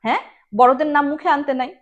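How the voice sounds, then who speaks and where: Possessed village bride, performed by a female storyteller: high-pitched, stubborn, colloquial, for a ghost story. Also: fairly even intonation, brisk, lightly acted. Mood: hostile. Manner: scolding, insistent, colloquial village speech. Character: possessed young village bride, defiant and hostile.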